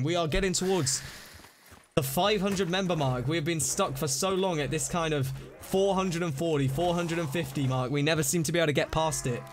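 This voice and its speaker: A man's voice: on the high side, a little hiss or hum. A young man streaming a zombie shooter, chatting with viewers and losing his voice from the hype. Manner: excitable, chatty, greets chat by name. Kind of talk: live-stream gameplay chat.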